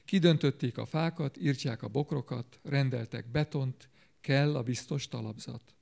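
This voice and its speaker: A man's voice: mid-range voice, gravelly, a little mellow, close to an everyday voice. A man reading as a determined runaway boy. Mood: earnest. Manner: earnest, pleading.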